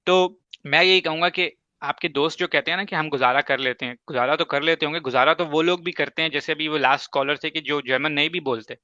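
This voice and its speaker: A man whose first language is Urdu hosts a casual advice talk. He speaks emphatically and leans on examples and quick asides. His voice is bright and slightly high, recorded dry and a little dull. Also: fairly even intonation, no echo. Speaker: host.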